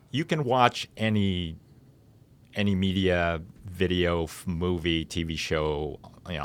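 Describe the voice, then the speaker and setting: A man's voice: low voice, smooth. A man speaking as an interview guest, a startup founder explaining his business in conversation.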